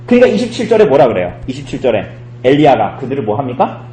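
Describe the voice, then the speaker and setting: A man's voice: medium pitch, fast talker, roomy sound, slight background noise, low-quality recording. A man leading a church Bible study, asking his listeners questions and acting out the quotes he reads. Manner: lively, asks the congregation questions and acts out quotes. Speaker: pastor. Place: church hall.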